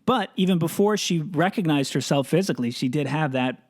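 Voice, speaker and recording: A man's voice: a little high, fairly quick. A man hosting a podcast, chatting casually and narrating between stories. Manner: relaxed, conversational, uses filler words. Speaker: podcast host.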